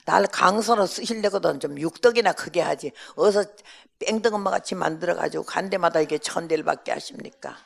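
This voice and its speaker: An older woman missionary gives a testimony sermon with a gravelly, creaky voice. She tells the story in a lively way and acts out each exchange. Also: fairly low pitch, fairly quick. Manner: lively storytelling, acting out dialogue.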